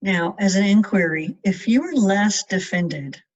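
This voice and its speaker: A woman leading a guided meditation in a measured way, leaving long pauses between short phrases. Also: medium pitch, lively intonation. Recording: distant mic, dull muffled sound.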